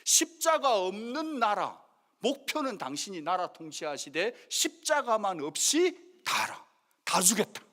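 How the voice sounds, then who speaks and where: A man preaching a sermon as pastor, dramatic, swinging between forceful rebukes and hushed asides. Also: sits high, big pitch swings, measured pace. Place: church sanctuary. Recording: long reverb of a church hall.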